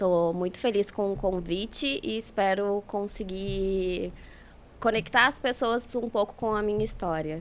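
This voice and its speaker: Using a normal speaking voice, a woman talks at a fairly slow pace with a medium pitch and ordinary pitch variation. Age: 30s. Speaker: entrepreneur. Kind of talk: interview.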